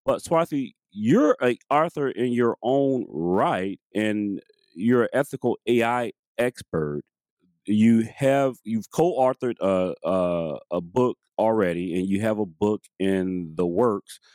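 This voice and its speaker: Slightly raspy man hosting an interview. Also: fairly low pitch, animated, slow, darkish tone, dry recording, clean studio sound. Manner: rambling, with many restarts and fillers. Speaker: podcast host. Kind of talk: casual interview chat.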